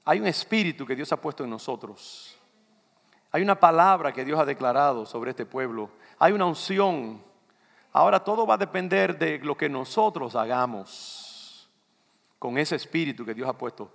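Older Dominican man, pastor preaching, gravelly, ringing church hall. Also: a little high, lively intonation, moderate pace, fairly bright tone. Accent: Dominican Spanish. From Dominican Republic. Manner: conversational, loose preaching with asides to the congregation. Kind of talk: sermon. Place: church sanctuary. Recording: long reverb of a church hall.

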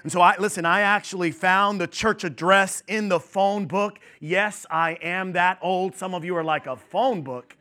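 A man's voice: high-pitched, fairly even intonation, moderate pace, few pauses. A man in his fifties from New York, a pastor giving a conversational sermon to his congregation with chatty asides and fillers. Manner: conversational and warm-humored with the congregation, many fillers.

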